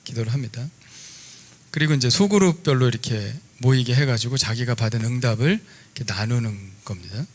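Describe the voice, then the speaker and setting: Korean pastor telling a story in a sermon. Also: male voice, mid-range voice, fairly quick. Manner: conversational, storytelling, animated asides.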